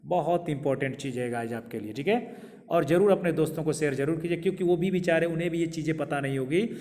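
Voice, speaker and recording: A man with a fairly high voice gives an English pronunciation lesson, saying each word slowly and asking his viewers to repeat it. His voice carries a long echo, as if recorded in a large hall. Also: darkish tone. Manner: repeats words slowly, asks viewers questions. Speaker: English teacher.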